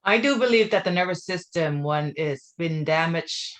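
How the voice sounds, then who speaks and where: A woman's voice: fairly low pitch, moderate pace. Enthusiastic woman hosting an interview. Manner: enthusiastic and wondering; frequent "you know" fillers. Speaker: interview host. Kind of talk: casual interview chat.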